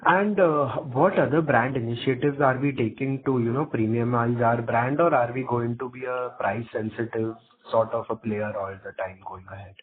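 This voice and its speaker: An Indian man asks questions as an analyst on an earnings call. His pitch is average for a man. The phone line makes him sound thin and muffled. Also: normal speed, hardly any pauses.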